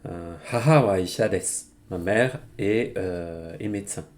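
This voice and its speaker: Speaking a little slowly in a deep voice, a man hosts a casual live-streamed Japanese lesson from his home setup. He chats his way through the explanations, using many fillers and laughing often.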